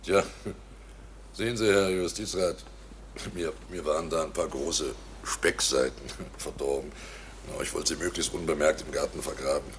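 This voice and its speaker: A man's voice: extremely low pitch, steady tone, normal speed, a little hiss or hum. A man acting in a German radio drama as a wily innkeeper under suspicion, explaining himself in a hesitant, ingratiating way. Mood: ingratiating, evasive. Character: wily village innkeeper, a suspect protesting innocence.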